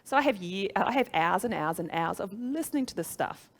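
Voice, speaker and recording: A woman's voice: medium pitch, animated, brisk. A middle-aged woman with a New Zealand accent presenting to a live audience as a business trainer, conversational and emphatic, often putting questions to her listeners. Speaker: social media trainer and speaker.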